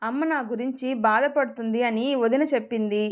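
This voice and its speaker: A woman's voice: on the high side, steady tone, fairly quick, lightly acted. Woman voicing a shy young wife. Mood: gentle. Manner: bashful, gentle.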